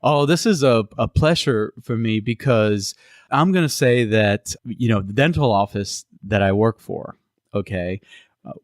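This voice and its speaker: Middle-aged man from Cuba, English, podcast host, halting with fillers, low voice, dry close sound. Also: dry recording. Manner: halting, many fillers and restarts. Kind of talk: casual interview podcast.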